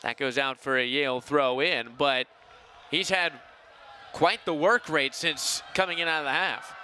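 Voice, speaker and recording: A man's voice: a little high, fairly even intonation, a little slow, bright, forceful tone, a faint crowd. A young man calling live sports play-by-play in a projected voice that rises for big plays. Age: young adult. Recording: faint ambient outdoor noise behind.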